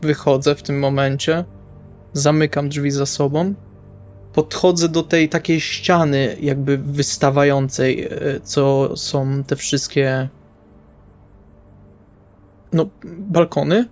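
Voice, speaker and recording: A man's voice: on the high side, fairly even intonation, takes it slowly, long pauses, a little mellow, soft background music. A man playing a tabletop role-playing game, improvising dialogue and narrating his actions casually in colloquial speech. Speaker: tabletop RPG player.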